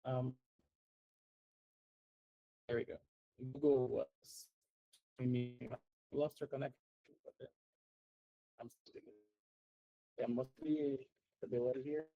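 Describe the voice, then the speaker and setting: A man speaking in a team meeting over a video call whose audio keeps cutting out, talking haltingly with many restarts. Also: medium pitch, fairly even intonation, highs cut off. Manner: halting, hesitant speech with restarts. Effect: choppy video-call audio cutting out. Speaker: software developer in a team meeting.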